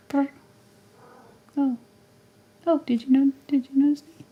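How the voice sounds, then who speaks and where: A woman's voice: high voice, little pitch movement, takes it slowly, highs cut off. A woman teaching a live painting tutorial, half-whispering while she paints and losing her voice. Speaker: painting instructor.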